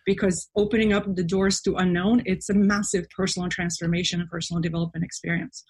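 A woman's voice: on the low side, level tone, fast, slightly rough. A woman from Slovakia who is a guest on a podcast, speaking earnestly and repeating words as she thinks. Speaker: guest, coach. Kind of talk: podcast interview.

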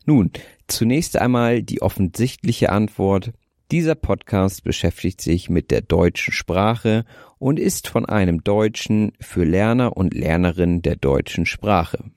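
Deep-voiced young man, light north German accent. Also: a little mellow, no room sound, studio quality. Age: 20s. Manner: careful, deliberate delivery aiming for standard German. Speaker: podcast host. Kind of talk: reading a prepared script. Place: in bed under a blanket. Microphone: handheld microphone.

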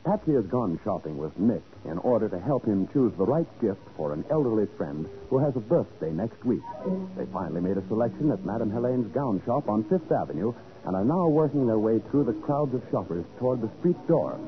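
A man's voice: on the low side, very animated, fairly quick. Man announcing in formal radio style. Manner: formal, declamatory. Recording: dull old radio recording with music.

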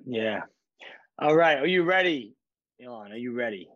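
Podcast host, keen and chatty, with a dull, dry sound. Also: male voice, medium pitch, expressive, moderate pace, fairly bright tone, dry recording. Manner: eager, short interjections. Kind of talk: casual interview chat.

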